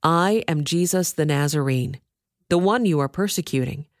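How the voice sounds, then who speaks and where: A woman's voice: low-pitched, normal speed, no room sound, clean studio sound. A woman reading the lines of a commanding male divine figure in a solemn scripture reading. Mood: solemn urgency.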